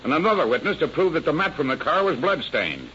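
A blustering sneering suspect. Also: male voice, on the high side, very animated, fast talker. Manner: loud, threatening, sneering. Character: blustering male murder suspect, defiant and sneering. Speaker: murder suspect. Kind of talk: 1930s radio drama acting. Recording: dull old radio recording with hiss.

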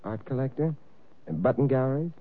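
A man's voice: medium pitch, animated, brisk, lightly acted. A man playing a wry, wisecracking detective. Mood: sardonic. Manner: dry, wry quips. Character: suave wisecracking male adventurer-detective. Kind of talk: 1940s radio acting. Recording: tinny old radio broadcast.

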